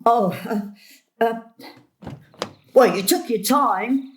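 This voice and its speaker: A woman's voice: on the high side, slow. An actress playing a querulous, mischievous old grandmother, grumbling and theatrical, in an audio drama.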